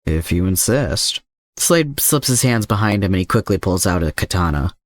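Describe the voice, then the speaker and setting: A man narrates a scripted adventure story as a reader of fan fiction. His voice sits low in pitch, and the sound is very dry, with no room around it. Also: lively intonation, a little fast, no room sound.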